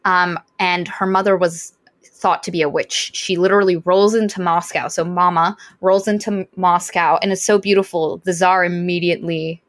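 A woman in a casual book club chat, retelling a novel's plot with animated asides and quick acted-out lines. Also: on the low side, dry recording. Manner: animated storytelling, acts out characters' lines.

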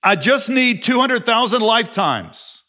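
A man's voice: very high-pitched, sing-song, unhurried, pushed and bright, voice pushed up, full character voice. A man voicing a desperate male servant who begs for more time, played with mocking exaggeration. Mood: pleading.

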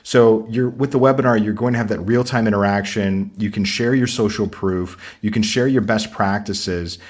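A man with a fairly low voice talks in a loose, energetic way as a podcast guest. He is blunt about his opinions and keeps breaking into laughter. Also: normal speed. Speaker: podcast guest, marketing consultancy founder. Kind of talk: casual interview talk.

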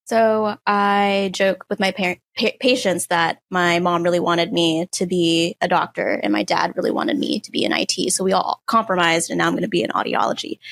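Young woman, student guest, light joking tone, gravelly voice. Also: lowish voice, steady tone, normal speed, hardly any pauses, fairly bright tone, no room sound. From Tulsa, Oklahoma. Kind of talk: casual interview answers.

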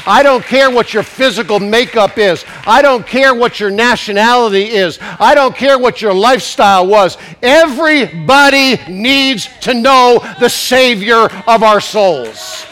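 A male pastor preaching a sermon, congested from a cold, who slows down to stress scripture and rises to emphatic preaching at climaxes. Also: extremely high pitch, pushed and bright.

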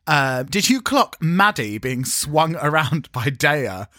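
Animated, higher-pitched man gossiping. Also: slow, no echo, clean studio sound. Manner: chatty, catty and opinionated, with lots of fillers. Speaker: podcast co-host. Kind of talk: casual chat reviewing a TV show.

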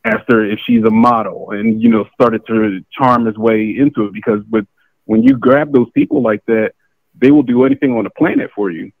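A man with a low, gravelly voice talks through a tinny phone line that cuts off the highs. He explains his views in a measured way, with pauses and fillers as he thinks. The sound is dry, with no room around it. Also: no room sound. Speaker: guest. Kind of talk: casual discussion on a call.

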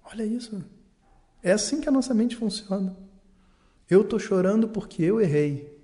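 A man giving a calm, explanatory talk on learning and mistakes, acting out short dialogues as he goes. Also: sits high, normal speed.

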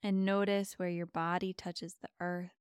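A woman guiding a meditation softly and soothingly, giving gentle, slow, spacious instructions as a host. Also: lowish voice, level tone, clear, resonant tone, no room sound, studio quality. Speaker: meditation podcast host and guide. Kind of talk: soft, soothing guided meditation.

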